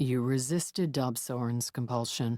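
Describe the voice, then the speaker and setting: A put-on character voice at a low-to-middle pitch moves along at a moderate pace. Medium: read story. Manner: formal, stiff phrasing.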